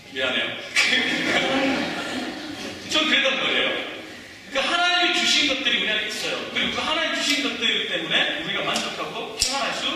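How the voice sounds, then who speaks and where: Lively man preaching in an echoey hall. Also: extremely high pitch, a little hiss or hum. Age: 40s. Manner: conversational, quizzing the congregation with questions. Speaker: pastor. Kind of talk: sermon. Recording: echoey hall, voice from far off the mic.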